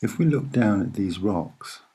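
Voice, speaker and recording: Male amateur presenter, soft and unhurried, husky edge, deliberate off-the-cuff explanation in short phrases. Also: fairly low pitch, lively intonation. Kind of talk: unscripted soft-spoken commentary over images.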